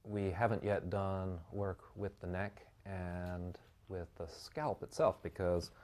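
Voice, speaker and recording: A man teaching a hands-on bodywork class, explaining each step calmly and guiding his client's breathing slowly. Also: deep voice. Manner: calm, measured explanation with slow guiding instructions. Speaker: bodywork instructor.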